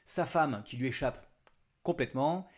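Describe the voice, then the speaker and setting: A man's voice: medium pitch, measured pace. Chatty French book vlogger, man. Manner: chatty, self-mocking asides. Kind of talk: casual book review vlog.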